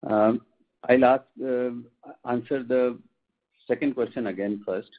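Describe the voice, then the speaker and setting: A man with an Indian accent, a company executive answering questions on an earnings conference call in a measured, formal, explanatory way. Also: mid-range voice, fairly even intonation. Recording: muffled tinny phone line.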